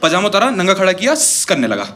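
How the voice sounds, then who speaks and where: A man doing stand-up comedy, telling animated stories and talking directly to the audience, switching freely into English phrases. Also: sits high, quick pace. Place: comedy show with a live audience. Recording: stage mic with crowd laughing. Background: audience laughter.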